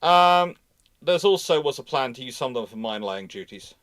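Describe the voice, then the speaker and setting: A man's voice: mid-range voice, animated, brisk, fairly bright tone. A man hosting a casual live question-and-answer talk, often breaking off and restarting as he speaks. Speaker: host of a naval history livestream.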